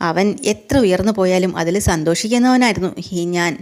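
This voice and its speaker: A woman narrating a TV serial episode in a chatty, fast storytelling style, often turning to listeners with tag questions. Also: fairly low pitch, a little mellow.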